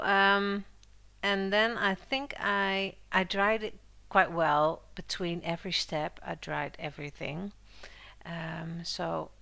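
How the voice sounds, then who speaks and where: Talking over her casual craft tutorial, this art journaling channel host sounds slightly unwell, with a creaky voice that turns squeaky here and there. Her manner stays chatty and easygoing, sprinkled with fillers and gentle laughter.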